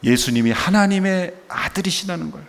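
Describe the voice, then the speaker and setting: With a high, creaky voice, this middle-aged pastor preaches in an animated, fairly quick way. He throws out rhetorical questions and dramatizes quoted dialogue, all under a long hall reverb.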